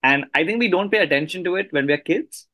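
A man's voice: high-pitched, expressive, quick pace, pushed and bright, no echo. A man hosting a podcast interview, talking conversationally as he asks questions and shares reflections. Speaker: podcast host.

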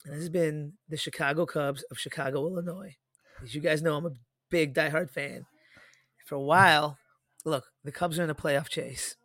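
A middle-aged man chatting on a podcast, with a bright, forceful, fairly high voice. He tells stories with energy and acts out the lines of the people in them. The recording is close and dry. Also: normal speed, dry recording. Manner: animated storyteller, acts out quoted dialogue. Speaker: podcast co-host. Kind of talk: casual podcast chat.

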